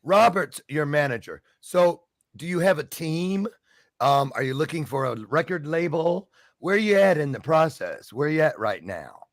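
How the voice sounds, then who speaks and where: A man's voice: fairly high pitch, big pitch swings, normal speed, no echo, studio quality. A man hosting a casual interview, chatty and joking, sometimes losing his train of thought. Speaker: interview host.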